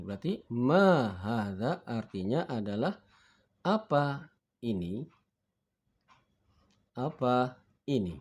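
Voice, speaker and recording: A man with a medium-pitched, slightly mellow voice leads a beginner Arabic lesson. He says each word twice so students can repeat it, and patiently pretends to forget words and look them up.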